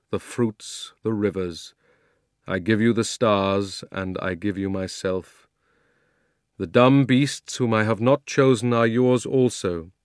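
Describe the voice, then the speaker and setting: A great male lion speaks with warm authority, as a man reads him aloud. His words come slow and grave, projected strongly. The storybook recording is dry and close. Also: lowish voice, dry recording. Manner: solemn, commanding, slow. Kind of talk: audiobook character voice.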